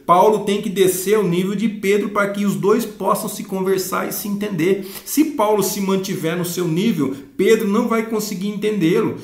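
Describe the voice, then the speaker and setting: Brazilian male Sunday school teacher, fairly high voice, explains verses in an echoey room. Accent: Brazilian Portuguese. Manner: explanatory, reads scripture slowly then comments. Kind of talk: Bible lesson.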